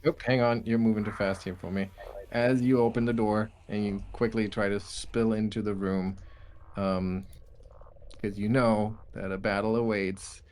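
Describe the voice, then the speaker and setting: A man acting as game master, narrating a tabletop game in a relaxed way and thinking aloud as he checks dice rolls over an online call. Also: on the low side, normal speed.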